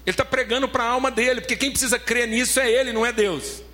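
High-voiced Brazilian pastor preaching emphatically. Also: male voice, steady tone, fast talker, sharp tone. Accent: Brazilian Portuguese. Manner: emphatic, repeats phrases, addresses listeners as beloved. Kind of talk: preaching a sermon.

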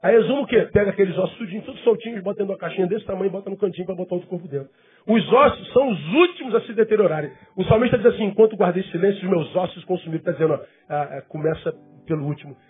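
Man preaching, husky voice, fairly high pitch, muffled lo-fi church recording. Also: rapid-fire. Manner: conversational preaching with rhetorical questions. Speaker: pastor. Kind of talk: sermon.

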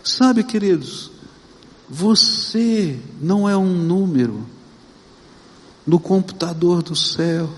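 Middle-aged Brazilian man, high voice, preaching from the pulpit with emphatic, drawn-out stresses, church reverb. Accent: Brazilian Portuguese. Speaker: pastor. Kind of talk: sermon. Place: church sanctuary. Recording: long reverb of a large church.

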